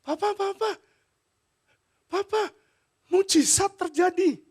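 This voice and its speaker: A man's voice: extremely high pitch, a little slow, pitched above the performer's own voice. A man voicing a small girl who lisps and begs for chocolate. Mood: excited. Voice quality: childish lisp.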